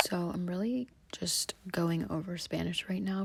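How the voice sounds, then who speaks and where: A soft-spoken woman talks with an American accent. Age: 20s. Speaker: student vlogger. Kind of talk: casual vlog talk.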